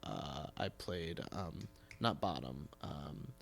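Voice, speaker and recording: A man's voice: extremely low pitch, slow pace, creaky, fairly bright tone. An American man hosting a casual interview, telling stories in an emphatic way. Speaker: podcast host, theatre director.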